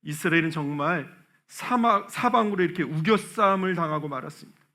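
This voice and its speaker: High, bright-voiced male pastor preaching. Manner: impassioned, swings from hushed to loud. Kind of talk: Sunday sermon. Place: church sanctuary.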